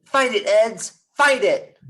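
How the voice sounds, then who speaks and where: Woman playing a brave desperate kid, highish and slow, bit far from the mic. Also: expressive, fairly bright tone. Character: brave, desperate young boy leader. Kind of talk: amateur table read acting.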